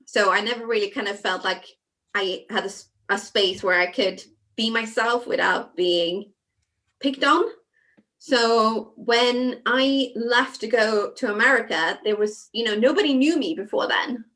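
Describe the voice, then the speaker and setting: A woman from Sweden talking casually as a craft show guest over a video call, chatty with many fillers and soft asides. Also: a little high, measured pace. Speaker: guest designer. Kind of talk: casual chat while crafting.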